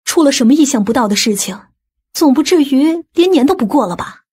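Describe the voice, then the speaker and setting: A woman's voice: high voice, lively intonation, a little fast, warm tone. A woman playing an older, fretful mother in an audiobook drama, nagging and questioning. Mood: surprised, doubting.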